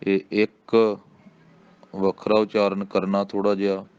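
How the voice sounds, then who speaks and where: A man from Punjab with a Punjabi accent, teaching correct recitation of scripture and drawing out each recited word slowly and calmly. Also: on the low side, smooth, no room sound, highs cut off. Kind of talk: slow recitation with pronunciation instruction.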